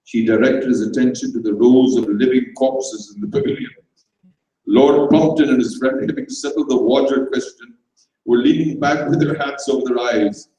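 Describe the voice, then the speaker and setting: A man's voice: medium pitch, normal speed, mellow. A man narrating a comic short story expressively in a dramatized stage reading, recorded from a distance in an echoey hall. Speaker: reader.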